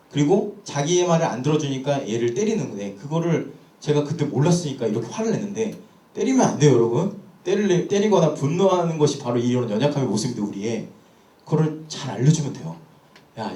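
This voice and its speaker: Animated young man preaching in echoey hall. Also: fairly high pitch. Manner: storytelling, candid, with laughs and self-questioning. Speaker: pastor. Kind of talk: sermon with personal story.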